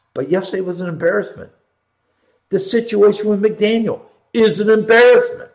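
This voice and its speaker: An animated man with an American accent speaks at a moderate pace in a high pitch, leaving long, frequent pauses. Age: 60s. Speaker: televangelist talk show host. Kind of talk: live TV political commentary monologue. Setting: live TV studio broadcast. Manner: conversational, animated.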